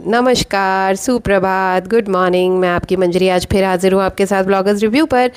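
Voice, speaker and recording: A woman's voice: mid-range voice, normal speed, clean tone. Woman, vlog host, casual commentary, opinionated and chatty, rhetorical questions. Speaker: vlog host reviewing other vloggers.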